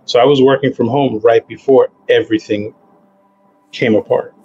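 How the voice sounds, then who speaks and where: A man's voice: mid-range voice, fairly even intonation, normal speed, dark tone, highs cut off, faint music behind. A man in his forties, a guest talking casually over a video call from a home office, rambling with many fillers. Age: 40s. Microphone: headset.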